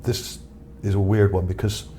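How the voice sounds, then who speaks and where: A man presents his own image finds in a video, talking casually and without a script, pausing to muse and hesitate. His warm, fairly low voice has a flat delivery at a moderate pace. There is background noise under the voice.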